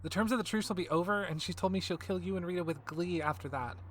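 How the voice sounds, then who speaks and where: A woman's voice: lowish voice, fast, slight background noise, natural voice, rough recording. A woman playing a distraught, hot-headed, foul-mouthed character in an audio drama, blunt and urgent. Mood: urgent, defiant.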